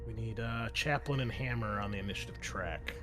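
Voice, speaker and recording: A man's voice: lowish voice, fairly quick, over music. A man, acting as game master in a casual tabletop session, explaining rules informally as he goes.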